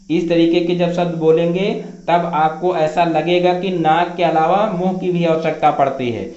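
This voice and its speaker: A man's voice: on the high side, darkish tone. A man teaching a grammar lesson, repeating each definition and posing questions he answers himself. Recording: echoey room, dull lo-fi sound.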